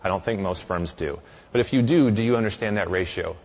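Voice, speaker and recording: A man's voice: on the low side, a little fast, a little mellow, dull audio. A man in his thirties giving a conversational conference talk in a large hall, with frequent fillers and restarts. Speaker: conference speaker.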